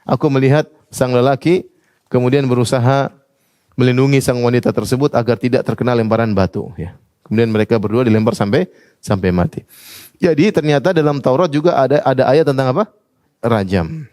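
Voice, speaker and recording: A male preacher in a mid-pitched voice gives a religious lecture. He recites Arabic passages and translates each one, often asking his listeners a question and answering it himself. The sound is dry and close, with little room echo. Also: brisk, a little mellow. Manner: quotes Arabic passages then translates them, asks the audience questions. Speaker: Islamic preacher.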